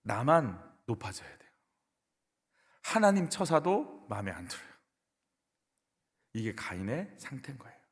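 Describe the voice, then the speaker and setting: A man's voice: medium pitch, sing-song, measured pace, pauses often. A man, the senior pastor, preaching a sermon in a church and asking the congregation rhetorical questions with emphasis. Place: church sanctuary. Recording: echoey church hall.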